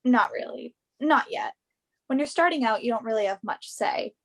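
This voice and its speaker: A woman's voice: a little high, lively intonation, moderate pace. A woman acting in a play reading as a confident, earnest young fashion model who speaks up for herself. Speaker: actor in a virtual staged reading.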